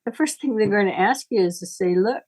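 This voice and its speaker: A middle-aged woman teaching informally in conversation, explaining things in a halting, deliberate, reflective way. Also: medium pitch, a little mellow. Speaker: astrology teacher.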